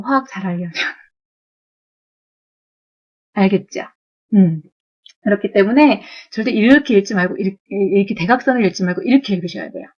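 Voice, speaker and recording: A woman's voice: mid-range voice, a little mellow, lo-fi sound. A woman chemistry teacher giving a live lecture to students in a classroom, chatty and always checking in with them.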